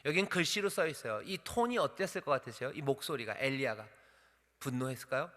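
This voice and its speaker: A man's voice: mid-range voice, animated, fast, pushed and bright. A male pastor preaching a sermon, asking the congregation questions and dramatically acting out the voices in the story. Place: church sanctuary. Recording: church hall reverb.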